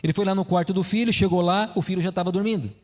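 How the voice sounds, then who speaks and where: A man's voice: high-pitched, fairly even intonation, racing, a little mellow, in a large hall. A male pastor preaching a sermon, telling a story and asking the congregation questions. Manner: storytelling, conversational with rhetorical questions.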